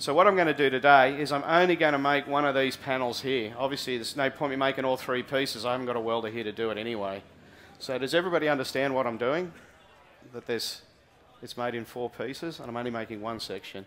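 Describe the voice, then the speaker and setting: Light background noise sits under a man's voice. He speaks at a very fast pace with ordinary pitch variation. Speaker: metalworker giving a demonstration. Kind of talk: live demonstration talk. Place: hall. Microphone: headset.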